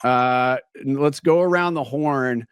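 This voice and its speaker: Male host, slightly raspy, loose and friendly-paced chat, dry close mic. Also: medium pitch, slow pace, dry recording. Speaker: podcast host. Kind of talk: casual interview chat.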